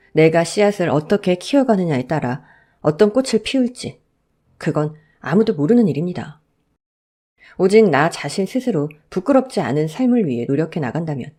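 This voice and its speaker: A woman's voice: sits low, mellow. A woman narrating a scripted first-person life story in an earnest, reflective way.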